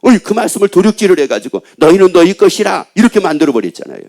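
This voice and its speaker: High-voiced Korean pastor preaching. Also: male voice, sing-song, very fast, darkish tone. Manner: asks the congregation questions and answers them himself. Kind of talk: sermon.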